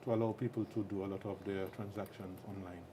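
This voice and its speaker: A man's voice: low-pitched, level tone, fast talker. An older man, giving formal answers as an interview guest. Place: office, indoors. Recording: clear background noise.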